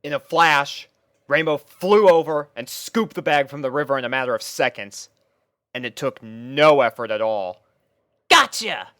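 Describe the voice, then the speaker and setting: A man narrating a fan story in a steady, even storybook voice, recorded on a close home mic. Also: mid-range voice, moderate pace, clean tone, dry recording. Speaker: fanfiction reader.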